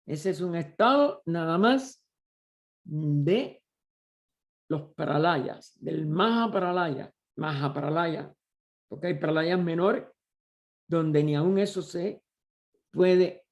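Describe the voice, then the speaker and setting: A man leading a study group, explaining a text slowly and deliberately, often pausing and restarting as he searches for words. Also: fairly high pitch, muffled recording. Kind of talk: slow explanatory study lecture.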